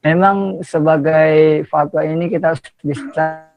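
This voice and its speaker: A man's voice: a little high, steady tone, unhurried, highs cut off, soft background music. A man asking a formal question over a remote call, his audio glitching and breaking up, speaking hesitantly with many filler sounds. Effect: glitching, breaking-up audio from a weak connection. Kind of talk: formal question in an online dialogue. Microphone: remote video call.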